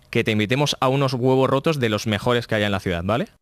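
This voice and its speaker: A man talks at a very fast pace against a quiet background, the sound dry with no echo. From Spain. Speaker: radio host. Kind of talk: interview. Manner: enthusiastic. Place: studio. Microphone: studio mic.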